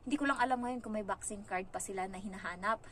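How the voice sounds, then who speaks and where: A young Filipina vlogger tells her story casually, chatty and animated, briefly acting out what others said. Her voice is mid-pitched and quick, with a slight hiss or hum in the audio.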